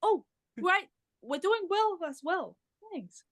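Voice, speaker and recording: A woman's voice: very high voice, very animated, slow, a bit bright, no echo, studio quality. A woman chatting casually as a fan panelist, with brief, polite replies. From Australia. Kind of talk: casual chat.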